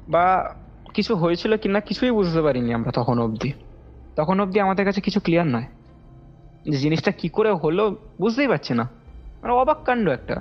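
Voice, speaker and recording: A young man tells his own experience casually on a call, rambling and repeating himself as he goes. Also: high-pitched. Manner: animated, repetitive, rambling retelling with acted-out quotes. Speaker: caller recounting a personal experience. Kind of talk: casual spoken storytelling. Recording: dull lo-fi call recording over music.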